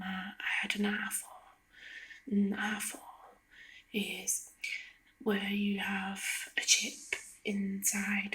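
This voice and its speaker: A woman giving a soft-spoken ASMR ramble in a hushed, hesitant whisper, meandering as she goes. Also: medium pitch. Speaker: video creator. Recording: lo-fi close whispering.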